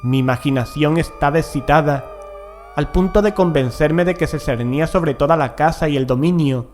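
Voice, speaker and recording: A man reading a gothic horror tale as an audiobook narrator, in a measured, deliberate manner with dramatic pauses. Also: on the high side, a little mellow. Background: music.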